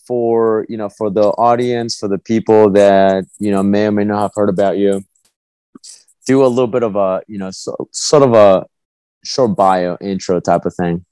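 A man's voice: on the low side, steady tone, moderate pace, warm tone, clear, resonant tone, dry recording, rough recording. A man who grew up in South America, hosting an interview and asking loose, filler-heavy questions. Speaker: podcast host.

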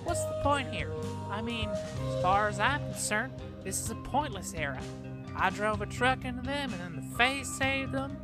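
An actress playing a blunt, mocking, callous accomplice with a murderous streak in an audio drama, dry and dismissive. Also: female voice, fairly high pitch, expressive, moderate pace, natural voice. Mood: cold, annoyed. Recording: loud music behind the voice.

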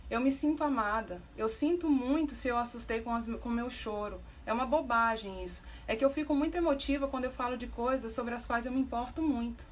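A woman's voice: fairly high pitch, fairly quick, hardly any pauses, a little hiss or hum, natural voice. A woman voicing a tearful wife pleading with her distant husband, read aloud plainly in a Brazilian accent.

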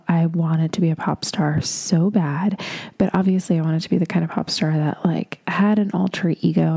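A woman's voice: lowish voice, creaky, mellow. A young woman who spoke Russian first, hosting her own podcast and rambling chattily about her life. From Moldova. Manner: chatty and rambling, with frequent likes and you-knows. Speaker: podcast host, makeup artist. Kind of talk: casual solo podcast monologue.

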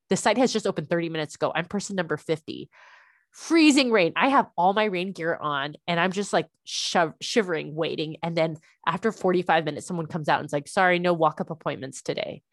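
A woman's voice: fairly low pitch, a little fast, dry recording, studio quality. Exasperated woman telling a long story. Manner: animated, frustrated storytelling with many "like" fillers. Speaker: parent. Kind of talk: casual storytelling chat.

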